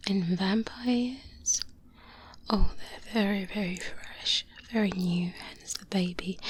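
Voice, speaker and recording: A woman playing a calm, cautious, seasoned vampire hunter mentoring a trainee, speaking softly and breathily with murmured pauses in an ASMR roleplay. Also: medium pitch. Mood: musing, amused. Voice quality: soft, breathy whispering. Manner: slow, hesitant, murmured pauses and hums. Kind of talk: soft-spoken ASMR roleplay. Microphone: close binaural microphone. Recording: close-up binaural with clear background noise.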